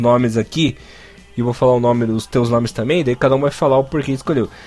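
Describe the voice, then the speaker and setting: A man is speaking. Music plays in the background. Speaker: podcast host. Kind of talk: casual chat. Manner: animated.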